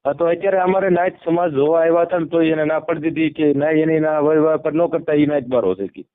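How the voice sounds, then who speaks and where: A man's voice: on the high side, steady tone, quick pace. A man with a Saurashtra Gujarati accent talking informally as a caller, deferential and often repeating himself. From Amreli district, Gujarat, India. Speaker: caller seeking help. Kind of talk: informal phone conversation. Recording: narrowband phone call audio.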